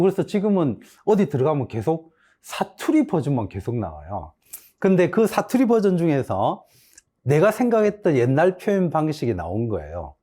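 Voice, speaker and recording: Lively Busan-accented man lecturing. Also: fairly high pitch. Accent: Gyeongsang (Busan). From Busan, South Korea. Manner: animated, asks the class questions and answers them himself. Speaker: exam-prep history lecturer.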